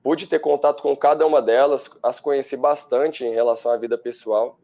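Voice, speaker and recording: A man in his thirties answers interview questions in long, fluent, well-ordered sentences. His mid-pitched voice is dark and carries some gravelly fry. The audio sounds a bit muffled, like a TV broadcast. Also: steady tone. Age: 30s. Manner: articulate, fluent, measured explanations. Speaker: women's football coach, studio guest. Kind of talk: studio interview.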